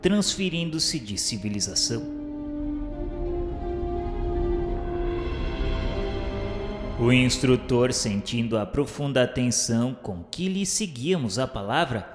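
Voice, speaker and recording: An actor playing a reverent, earnest spirit pupil who narrates a radio drama in a solemn, declamatory, literary style. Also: male voice, mid-range voice, sing-song, normal speed, hardly any pauses, natural voice. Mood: solemn wonder. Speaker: narrator character. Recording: echoey, long reverb. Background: music.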